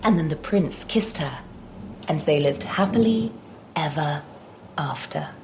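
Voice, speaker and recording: A woman's voice: low-pitched, animated, unhurried, a little mellow, a little hiss or hum, low-quality recording. An actress playing a tender, loving mother of a little boy in a horror audio drama. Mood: storytelling, tender. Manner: tender, motherly bedtime delivery. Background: music.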